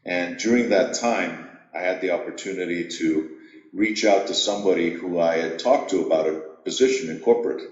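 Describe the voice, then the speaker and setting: A middle-aged man from Greece, an executive coach, telling his story at a measured, reflective pace in an interview. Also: deep voice, reverberant, muffled recording.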